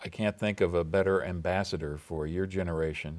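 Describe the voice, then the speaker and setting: In a monotone, flat intonation, a man with a very deep, low pitch talks at a moderate speed. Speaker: oral historian interviewer. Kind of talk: oral history interview. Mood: warm, respectful. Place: studio. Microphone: lapel.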